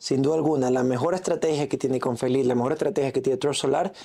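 A man's fairly high-pitched voice with a dark, mellow tone, in a Venezuelan accent, over a quiet background. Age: 20s. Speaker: entrepreneur; podcast guest. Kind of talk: interview. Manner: energetic. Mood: calm, confident. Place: studio.

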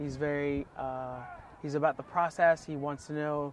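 The speaker goes at a fairly quick pace with monotone, flat intonation. The sound is dry with no echo, though noticeable background noise comes through. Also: man. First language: Spanish. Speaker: high school football coach and English teacher. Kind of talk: interview. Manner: casual with many fillers. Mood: warm, reflective. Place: stadium.

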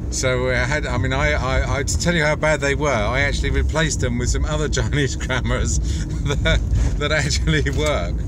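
Over loud background noise, a man speaks fairly quickly with ordinary pitch variation, the sound dry with no echo. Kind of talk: casual vlog chat. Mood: wry, amused complaining. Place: car. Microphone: phone near.

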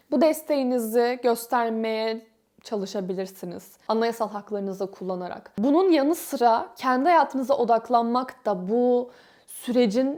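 Talking at a moderate pace, a woman uses a fairly high pitch with ordinary pitch variation. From Turkey. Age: 20s. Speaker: vlogger. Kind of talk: personal vlog monologue.

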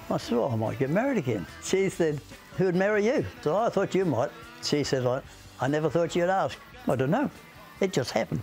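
With a New Zealand accent, a man talks at a fairly quick pace in a fairly high pitch with very wide pitch swings, very even loudness, and long, frequent pauses, while faint music plays in the background. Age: 90s. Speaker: classic car owner. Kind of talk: interview. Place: garage.

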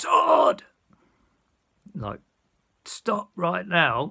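A man's loud, gravelly, high-pitched put-on character voice, shouting. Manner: loud shout.

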